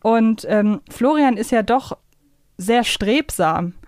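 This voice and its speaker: A woman's voice: a little high, expressive, slow, darkish tone, no room sound, clean studio sound. A woman co-hosting a podcast in casual conversation, often searching for words as they talk. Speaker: podcast co-host. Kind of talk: casual chat about a children's audio series.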